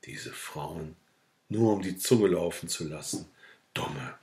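Male reader doing a dying old farmhand, soft and muttering, lowish voice, audiobook. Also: measured pace. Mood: grumbling, indignant. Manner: weak, quiet, indignant muttering.

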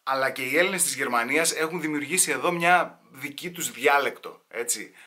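A man tells comic stories from his home in an easy, slangy way. His voice is bright and forward, with a mid-range pitch. He slips into mock voices now and then. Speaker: comedian storyteller. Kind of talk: sit-down comedy storytelling.

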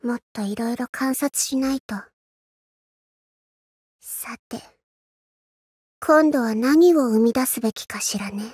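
Mysterious scheming anime villainess, slow and haughty, crisp dry voice. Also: female voice, fairly high pitch, darkish tone, no room sound. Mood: cool, brooding. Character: mysterious scheming female villain, coolly observing and creating monsters. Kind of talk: scripted anime teaser voice-over.

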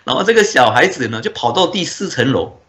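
A man, a Buddhist monk, giving a dharma talk as a story, with drawn-out filler particles and frequent chuckles. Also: mid-range voice, very animated, a bit bright.

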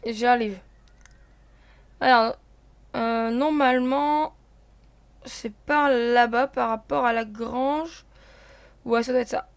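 A young woman hosting a gaming channel chats casually while playing an online game, explaining the rules to her viewers with lots of fillers. She speaks slowly with long pauses, in a clean, fairly even voice on the high side, recorded dry.

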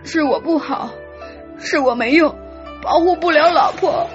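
A woman's voice: high voice, unhurried, muffled recording, music in the background. A woman voicing a devoted, boyish young male spirit who sobs and pleads in an audiobook. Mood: tearful. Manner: sobbing, clingy and pleading. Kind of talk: audiobook dialogue.

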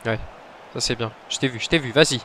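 A man commentating his own football video game match, muttering between plays and shouting when goals go in. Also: medium pitch, quick pace. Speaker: gaming commentator.

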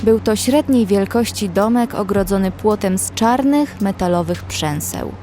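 An actress voices a young woman who survives an apocalypse, narrating a scripted first-person horror story in a measured, literary style as an anxious observer. Her mid-range voice is mellow and only lightly acted, and the mood stays measured and uneasy. This audio drama narration has music running beneath her voice.

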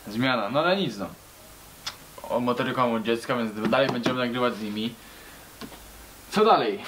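A man's voice: medium pitch, pushed and bright, a little hiss or hum. A young man talking casually to camera in a small garage, rambling and slangy, often calling his viewers buddies. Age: young adult. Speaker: vlogger. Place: small garage with brick walls.

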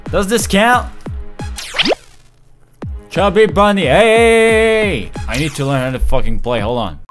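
A man in his twenties giving excited, exclamatory casual commentary as he plays a game. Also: medium pitch, fairly quick. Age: 20s. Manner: exclamatory, swearing. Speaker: let's play host. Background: electronic game music.

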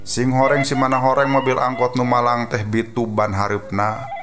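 A man's voice: mid-range voice, completely flat delivery, moderate pace, loud music behind the voice. A man with a Sundanese accent narrating a scripted story dramatically as a radio storyteller.

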